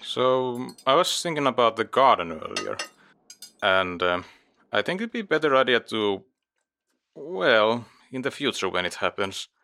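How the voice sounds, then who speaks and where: A man's voice: medium pitch, very animated, a little slow, vocal fry, sharp tone, exaggerated voice. A man playing a practical, tactless father in an audio drama, earnest and hesitant.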